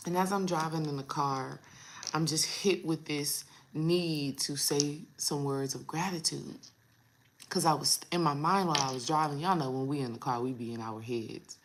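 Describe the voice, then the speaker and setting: A woman in her thirties speaks in a low, gravelly voice, raspy from the morning. She chats casually with her viewers and calls them y'all, with drawn-out pauses. Her pitch sits deep for a woman. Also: slight background noise, poor audio. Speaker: spiritual coach and host. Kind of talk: casual vlog talk to viewers.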